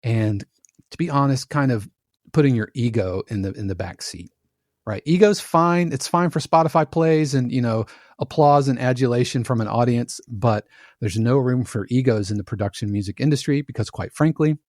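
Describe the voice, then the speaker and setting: Man, podcast guest, mid-pitched voice, dry close sound, animated talker, lots of restarts. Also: moderate pace, no room sound. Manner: animated, analogy-driven explaining with many restarts. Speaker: podcast guest, production music composer. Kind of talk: casual conversational interview.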